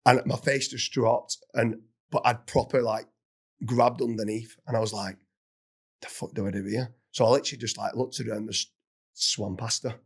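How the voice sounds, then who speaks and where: A man hosting a podcast, telling a funny story in a casual, animated way with plenty of swearing and laughter. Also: medium pitch, normal speed, husky. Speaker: podcast host.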